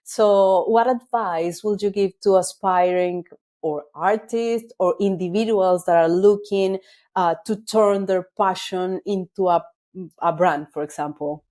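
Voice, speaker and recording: Woman, podcast host, earnest, reflective, long winding questions, mid pitch. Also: a little slow, warm tone. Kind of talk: conversational interview.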